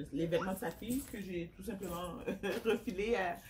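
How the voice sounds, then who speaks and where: A woman with a Quebec accent talks at medium pitch with lively intonation. Noticeable background noise runs under her voice. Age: 40s. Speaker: daycare educator on maternity leave. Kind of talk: casual vlog talk to camera.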